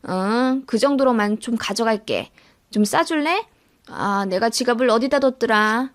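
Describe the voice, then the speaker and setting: A woman's voice: on the high side, a little slow, close to an everyday voice. A woman voicing a grudging older mother-in-law in a radio-drama story, with curt, dismissive retorts. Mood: wheedling.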